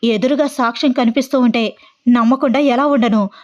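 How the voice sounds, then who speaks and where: Young male company boss, quick to anger, sharp questions; read by a woman. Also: a little high, fairly even intonation, muffled recording, close to an everyday voice. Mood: angry. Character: young man, company boss, hot-tempered.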